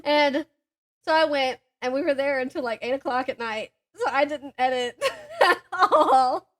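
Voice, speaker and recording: A woman's voice: sits high, expressive, unhurried, fairly bright tone. A young adult woman co-hosting a podcast, chatting casually with a friend and telling rambling stories in a giggly manner. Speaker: podcast co-host. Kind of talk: casual chat between friends.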